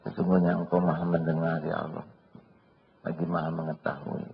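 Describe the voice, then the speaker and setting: A man preaching to a live congregation, animated, with sudden quick voices for the people he describes and a soft hush when he prays. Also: sits low, creaky, slight background noise. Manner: animated, acts out husbands, bosses and debtors in quick voices; drops to a soft hush for prayers. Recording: dull lo-fi sound.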